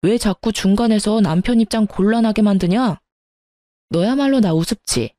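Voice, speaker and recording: A woman's voice: mid-range voice, moderate pace, warm tone, no room sound, natural voice. Woman reading a defensive, sulky husband. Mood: irritated. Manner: irritated, accusing. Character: sulky husband siding with his mother, defensive. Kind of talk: storytelling radio.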